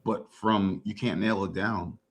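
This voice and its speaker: A man's voice: on the low side, fairly even intonation, measured pace. A man from Maryland with no regional accent, chatting casually in a laid-back, playful, slangy way. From Maryland, United States. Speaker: stream guest. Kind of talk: casual chat.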